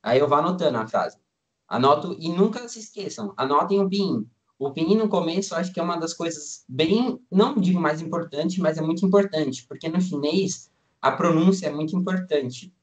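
A young man around nineteen, from Brazil, talks in a loose, rambling way, filling his sentences with little hedges and restarts. His voice sits a bit higher than most men's, and the delivery stays easygoing and conversational. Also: a little fast. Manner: relaxed, rambling, many fillers like "tipo" and "assim". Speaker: student guest. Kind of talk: casual interview chat.

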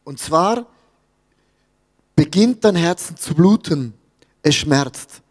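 A man's voice: on the high side, animated, slow pace, darkish tone, big-room sound. A man with a Swiss German accent preaching a sermon, telling a story with jokes and asides to his audience. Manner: storytelling, jokey, talks to the audience. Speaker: pastor.

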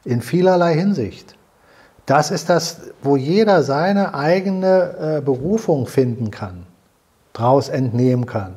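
Earnest older man, dark husky voice. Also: fairly high pitch, animated, slow. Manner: earnest, explanatory, repeats himself while searching for words. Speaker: host. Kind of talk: salon conversation. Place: living room with fireplace, indoors.

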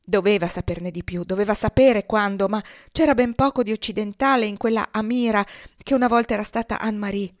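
A woman narrating a literary novel with measured, expressive delivery. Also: medium pitch, no room sound, clean studio sound. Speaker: audiobook narrator.

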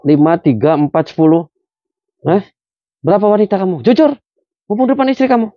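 A man's voice: high voice, brisk, no room sound. A man with a Cirebon accent, a spiritual healer who gives stern commands and scolds a patient. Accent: Cirebon Indonesian. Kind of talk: scolding healing session. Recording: dull dry lo-fi sound.

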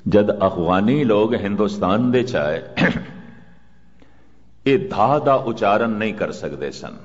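Older male Sikh preacher, low measured voice, long hall reverb. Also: expressive. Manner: slow, measured delivery with chanted scripture quotes. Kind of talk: religious discourse. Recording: muffled archival recording with long reverb.

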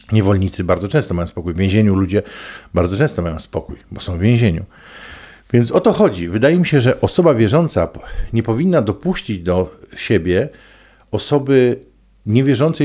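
A middle-aged coach and trainer delivers an emphatic, preachy, colloquial monologue to camera in a small indoor room. His voice is fairly low and dark, captured by a desk microphone close in front of him.

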